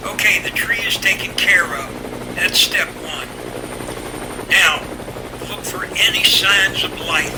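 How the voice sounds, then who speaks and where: Man acting a high-voiced pilot amid roaring chopper noise. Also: slow, long pauses. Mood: firm, focused. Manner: instructive, reassuring, directive. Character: steady, reassuring male helicopter rescue pilot, task-focused. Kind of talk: amateur audio drama acting. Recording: loud helicopter and engine noise.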